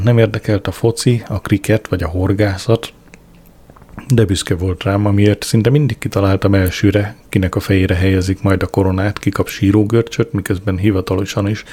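Low-voiced guy reading a funny diary audiobook, dark mellow tone, totally deadpan. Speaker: audiobook narrator. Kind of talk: reading a comic diary aloud.

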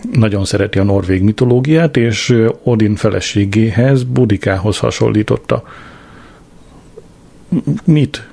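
A man's voice: lowish voice, creaky, dark tone, breathy edge. A man reading a diary-style story aloud as an audiobook narrator, with a dry, wry delivery.

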